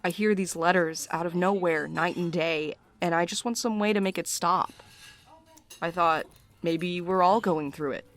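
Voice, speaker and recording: Woman acting weary, sardonic mail carrier, lowish voice. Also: normal speed, close to an everyday voice. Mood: weary, uneasy. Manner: dry, sarcastic, guarded. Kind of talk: naturalistic audio drama acting.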